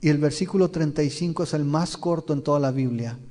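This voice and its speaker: A man's voice: fairly high pitch, a little fast, dark tone. A man, a pastor teaching a verse-by-verse Bible sermon. He often asks his listeners questions and retells the scenes vividly. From Mexico. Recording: long reverb of a large hall.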